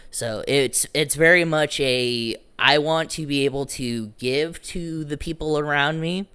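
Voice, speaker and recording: A man's voice: on the high side, a little slow, sharp tone, smooth. A young man talking casually to a group, rambling and correcting himself, frank and a little profane. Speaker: meetup attendee introducing himself.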